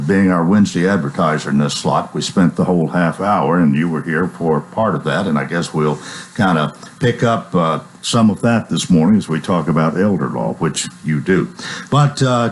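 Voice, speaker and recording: A man's voice: deep voice, expressive, normal speed. A man hosting a local radio interview in a folksy, hesitant, meandering manner. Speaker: radio host.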